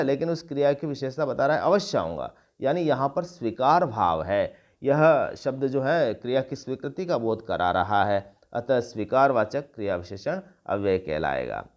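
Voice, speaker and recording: A middle-aged man teaching a grammar lesson, explaining slowly, repeating terms and listing examples with pauses and fillers. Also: medium pitch, sing-song. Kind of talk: classroom lecture. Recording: dull lo-fi recording.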